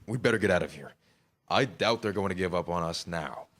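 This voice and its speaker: A man's voice: low-pitched, animated, fairly quick, fairly bright tone. A man playing an anxious, sarcastic everyman in a staged comedy reading. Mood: dry, exasperated.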